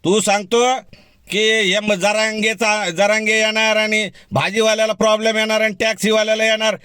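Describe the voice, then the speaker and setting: Defiant bright-voiced man. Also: high-pitched, flat delivery, normal speed, smooth, dry recording, studio quality. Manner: defiant, heated, direct address. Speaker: community activist. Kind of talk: fiery video rebuttal.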